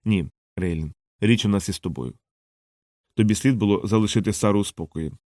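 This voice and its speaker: A man voicing a hardened ex-soldier who speaks softly, calmly and firmly. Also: fairly low pitch, fairly quick, no echo, clean studio sound, lightly acted. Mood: quiet threat. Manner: soft-spoken, calm, firm. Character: hardened male ex-soldier, calm and quietly threatening.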